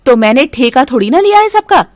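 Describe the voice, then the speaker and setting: A woman voicing a scheming, bossy middle-aged mother-in-law in an animated story, talking in a sharp, scolding, sly way. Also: high-pitched, fairly quick, no echo.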